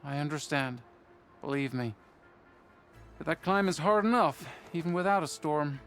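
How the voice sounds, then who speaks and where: A man acting a stern but fair commander of tribal soldiers in a game. His voice sits a little high for a man and stays measured and firm. Faint music plays behind him. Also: fairly bright tone, natural voice. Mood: earnest. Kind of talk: video game character acting.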